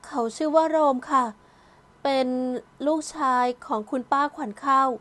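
A woman's voice: high voice, steady tone, moderate pace, a bit bright. A woman doing a remorseful, tearful young daughter. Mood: pleading. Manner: pleading and apologetic.

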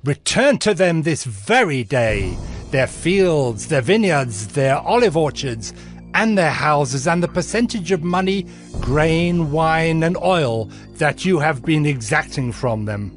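A man playing a righteous governor narrating his deeds in a dramatized scripture reading, measured and earnest. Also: fairly high pitch, animated. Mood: indignant, stern. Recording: music bed behind the voice.

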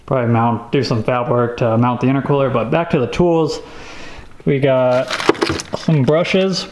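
A man casually showing off tools he bought, talking in a relaxed, rambling way with lots of fillers. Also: mid-range voice, measured pace, background noise. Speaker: vlogger showing a tool haul. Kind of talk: casual show-and-tell chat.

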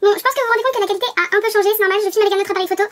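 Rushed young woman, high pitch. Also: a bit bright. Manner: rushed, breathless chatter. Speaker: beauty vlogger. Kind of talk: quick apologetic aside.

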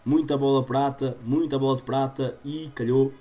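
A man in his twenties with a European Portuguese accent and a slightly stuffy nose, doing excitable gaming commentary for his viewers. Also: medium pitch, normal speed. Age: 20s. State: slightly congested from a cold. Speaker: gaming YouTuber. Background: game music.

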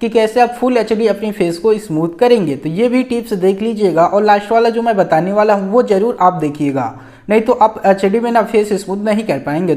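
A man's voice: high-pitched, darkish tone. A man casually narrating a step-by-step photo editing app tutorial as the channel's host, talking chattily to his viewers with lots of filler words. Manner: chatty, keeps calling out to friends and guys, frequent filler particles.

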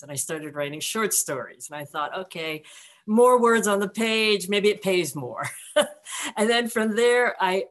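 An older woman from the San Francisco Bay Area, an author, answers interview questions over a video call, relaxed and reflective, with many pauses, ums and light laughs. Her voice sits on the low side, picked up by a webcam mic in a home room with a block wall.

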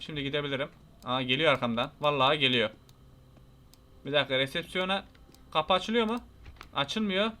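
A young man with a Turkish accent giving casual let's-play commentary, chatty and talking to his viewers, with excitable yelps when startled. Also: high-pitched. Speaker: gaming YouTuber.

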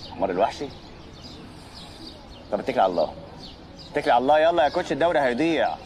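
An actor playing a cocky, wisecracking tough charmer in a comic film, teasing with an Egyptian accent. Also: male voice, medium pitch, very animated, rapid-fire, a little mellow, a little hiss or hum, lightly acted. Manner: teasing, sardonic. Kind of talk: comic screen acting.

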